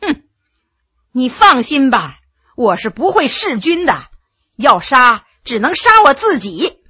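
A bitter, defiant empress, as a woman storyteller puts her on, scornful and raging. Her high, bright voice carries a husky edge and swings sharply in pitch. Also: very animated, slow, no room sound, clean studio sound, full character voice.

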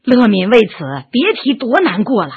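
Calm kindly gentleman, voiced by a woman. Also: a little high, breathy edge, narrow, tinny audio, heavily acted. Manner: gentle, soothing, measured.

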